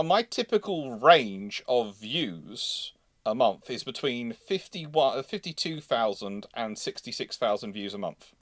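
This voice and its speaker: A man hosting a casual live question-and-answer stream, speaking haltingly, often repeating phrases and interrupting himself. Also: medium pitch, a bit bright, dry recording, studio quality. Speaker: livestream host.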